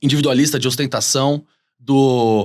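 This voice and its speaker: A man talks at a moderate pace, recorded very cleanly against a silent background. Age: 30s. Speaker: content creator. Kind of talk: casual podcast conversation. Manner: casual slangy, with repetitions.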